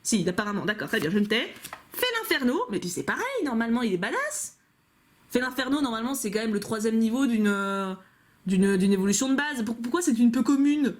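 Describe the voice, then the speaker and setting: Chatty woman, lively pitch swings. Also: a little fast. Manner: playful, chatty, giggly, jokes to herself. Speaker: YouTuber opening trading card packs. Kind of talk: casual commentary while unboxing.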